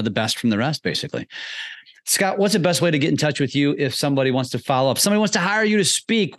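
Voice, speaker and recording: A man's voice: medium pitch, a bit bright. A man hosting a podcast interview in an informal, emphatic, enthusiastic conversational way. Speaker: podcast host.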